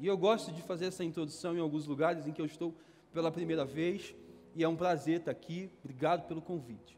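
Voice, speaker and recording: A man speaks at a very fast pace, high in pitch, with fairly even intonation. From Rio de Janeiro, Brazil. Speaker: pastor. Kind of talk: sermon.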